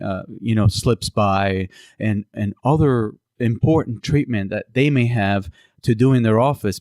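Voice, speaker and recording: A Cuban man hosts a casual interview podcast in a mid-range, somewhat dark voice. He speaks haltingly, full of fillers and restarts, and the recording is dry with no echo.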